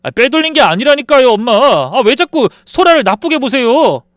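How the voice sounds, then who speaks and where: A grown son on his wife's side, as a man acts him out, pleading and protesting in a whiny voice. The tone is high and smooth, and the recording is close and dry. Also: big pitch swings, moderate pace, fairly bright tone, dry recording, full character voice. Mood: exasperated. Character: defensive adult son who shields his wife. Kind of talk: dramatized story reading.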